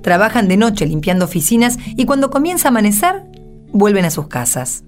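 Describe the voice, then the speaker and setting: A woman's voice: mid-range voice, big pitch swings, brisk, a little mellow. Argentine woman narrating over music. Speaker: narrator and radio announcer reading the Gospel. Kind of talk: scripted radio drama narration. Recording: background music under the voice.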